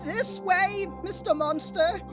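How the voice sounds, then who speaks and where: A woman's voice: extremely high pitch, takes it slowly, music in the background. A woman playing an anxious, polite companion in a horror audio drama, stammering and hesitant. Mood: alarmed.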